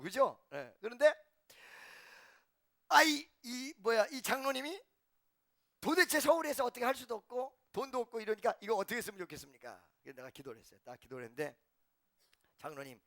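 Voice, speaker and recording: A male pastor preaching a sermon, telling stories and acting out the people in them, swinging from hushed asides to shouted lines. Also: sits high, vocal fry. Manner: swings from shouting to hushed, acts out quoted dialogue. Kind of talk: sermon with storytelling.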